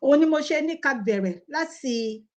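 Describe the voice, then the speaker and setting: A woman's voice: high voice, expressive, a little fast. A woman with a Nigerian Yoruba accent, hosting a casual talk show and chatting conversationally to her viewers. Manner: conversational, addresses viewers by name.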